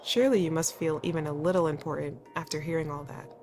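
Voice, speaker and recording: A woman's voice: deep voice, fairly even intonation, fast, a little mellow, soft background music, lightly acted. A woman voicing an earnest young exiled prince from a video game, reading his lines aloud in a put-on Australian accent.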